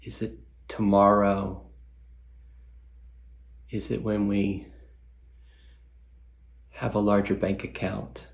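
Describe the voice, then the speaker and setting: A man leading a guided meditation as a guest teacher, speaking gently with long pauses and reflective questions. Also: lowish voice, completely flat delivery, gravelly.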